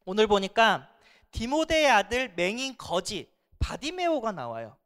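A pastor preaching a sermon, often asking the congregation rhetorical questions and swinging between loud emphasis and hushed asides. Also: medium pitch, wildly swooping pitch, unhurried, clear, resonant tone.

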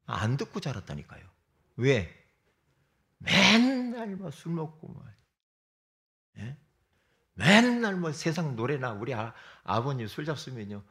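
Male pastor, sermon, slightly high voice that swings widely, emphatic, asks the flock rhetorical questions. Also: a bit bright.

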